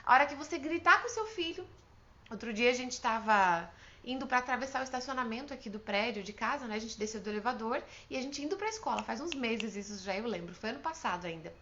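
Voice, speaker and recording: Brazilian woman, earnest parenting coach, high bright voice, slightly dull lo-fi recording. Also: expressive, fast, a little hiss or hum. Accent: Brazilian Portuguese. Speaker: parenting advice host, mother. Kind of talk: direct-to-camera advice talk.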